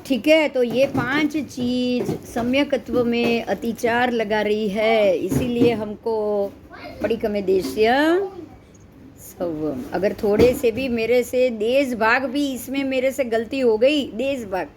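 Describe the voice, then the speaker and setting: Middle-aged woman, high pitch, scripture teacher who quizzes her class, faint background hiss. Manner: explains slowly, keeps quizzing listeners. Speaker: religious teacher. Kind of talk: scripture lesson.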